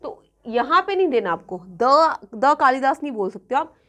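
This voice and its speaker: A woman's voice: high-pitched, lively intonation, pushed and bright. A woman teaching a grammar lesson, mixing Hindi and English and often checking that students have understood. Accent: Punjabi-influenced Hindi-English. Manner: checks in often with students, repeating examples slowly. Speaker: exam coaching teacher.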